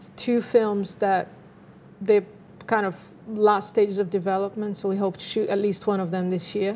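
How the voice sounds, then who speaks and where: Over light background noise, a woman with a dark, mellow tone speaks at a moderate pace in monotone, flat intonation, leaving long, frequent pauses. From Brazil. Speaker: film director; guest. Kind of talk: interview. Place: studio.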